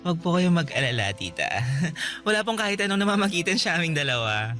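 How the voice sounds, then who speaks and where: A man playing a polite, gentle, self-effacing gay salon owner in a Filipino radio drama. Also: on the high side, sing-song, fairly quick, soft background music. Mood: placating, polite.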